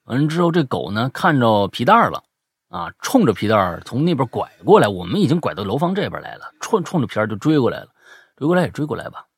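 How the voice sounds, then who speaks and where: Husky, lively male storyteller. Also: medium pitch, quick pace. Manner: animated, emphatic storyteller. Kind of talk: casual chat, storytelling.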